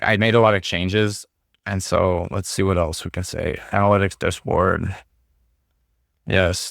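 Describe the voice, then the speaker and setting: Hoarse man rambling on a livestream. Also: low voice, dry recording, studio quality. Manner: rambling, lots of fillers. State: hoarse, recovering from illness. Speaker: streamer. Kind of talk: casual livestream talk.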